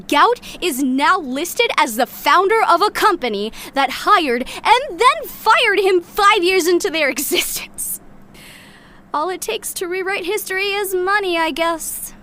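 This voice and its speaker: A woman's voice: sits high, sharp tone, a little hiss or hum, full character voice. An actress playing a bitter, sardonic woman in a sci-fi audio drama, ranting conversationally with sarcastic, mock-dramatic asides.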